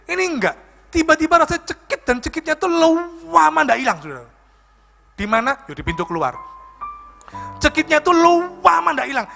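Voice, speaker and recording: Bright-voiced pastor in an echoing hall. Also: male voice, high voice. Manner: animated storyteller, often calls out to the congregation. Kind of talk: testimony sermon. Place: church hall. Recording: reverberant church hall with faint music.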